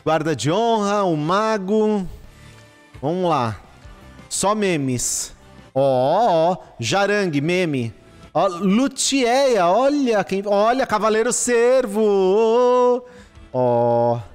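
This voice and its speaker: A high-voiced man, talking in an unhurried, drawn-out way while he commentates a live gaming stream. He is excitable, exclaims often and swears at his results. The recording has a long reverb tail and faint music playing behind him. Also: smooth. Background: faint background music.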